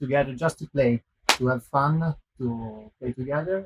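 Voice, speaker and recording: The sound is dry and close, with no echo. A man with a strong Italian accent speaks somewhat breathily, at fairly high pitch with ordinary variation. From Italy. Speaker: rock musician. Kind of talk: interview. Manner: halting, many fillers.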